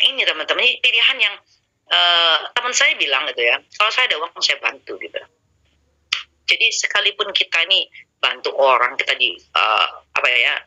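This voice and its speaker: Bright-toned animated woman telling a story. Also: fairly low pitch, low-quality recording. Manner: animated, acts out quoted dialogue, addresses listeners directly. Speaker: insurance agent sharing a testimony. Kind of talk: casual testimony talk.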